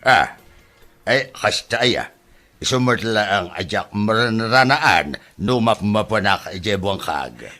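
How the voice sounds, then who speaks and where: A man's voice: on the low side, lively intonation, measured pace, pushed and bright, soft background music. A man with an Ilocano accent playing a grown son who lectures and scolds his family in a comedy drama. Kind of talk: scripted drama acting.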